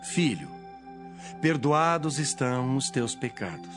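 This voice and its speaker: Guy playing a solemn bible teacher, calm authority, declaiming, clear music underneath, really varied intonation. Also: medium pitch, slow. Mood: gentle, commanding. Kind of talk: dramatized audio Bible acting.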